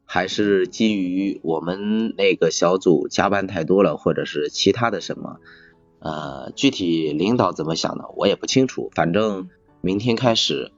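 A man in casual chat, talking haltingly and often repeating his phrases. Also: sits low. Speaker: podcast speaker, factory assembly worker. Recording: slightly dull, music behind. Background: music.

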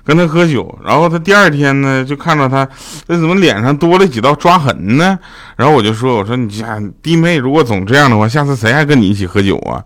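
A man's voice: lively intonation, quick pace, a bit bright. A man, hosting a comic podcast and telling jokes, acting out the people in his stories. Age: 30s. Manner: joking, acts out quoted relatives with jumps in pitch. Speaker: podcast host. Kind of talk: comic storytelling monologue.

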